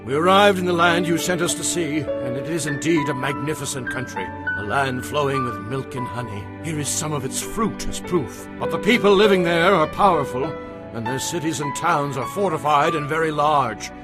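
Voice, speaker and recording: An actor playing an earnest Israelite scout, speaking in a declamatory way in a dramatized audio Bible. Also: male voice, fairly high pitch, normal speed, music in the background, close to an everyday voice. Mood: earnest, wary. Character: earnest Israelite scout reporting to his people.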